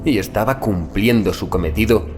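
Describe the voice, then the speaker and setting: Male audiobook narrator, lowish register, deliberate and grave dramatic horror read, set over a clear music bed.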